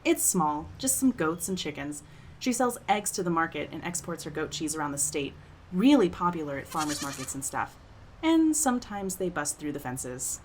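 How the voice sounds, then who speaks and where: A woman's voice: low voice, very animated, normal speed, a little hiss or hum. A woman playing a brash, friendly young townswoman in an audio drama, slangy and full of playful ribbing. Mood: casual, amused.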